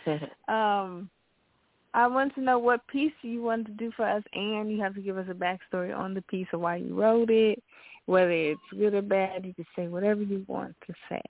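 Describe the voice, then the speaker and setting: A woman hosting a radio interview, asking questions in a casual way and answering with quick affirmations. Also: mid-range voice, steady tone, dry recording. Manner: warm-up questions, affirming replies. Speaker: radio host. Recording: tinny dry phone line.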